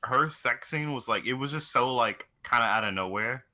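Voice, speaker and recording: A man's voice: medium pitch, moderate pace, sharp tone. A man co-hosting a podcast, talking casually in a profane, joking style. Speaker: podcast co-host.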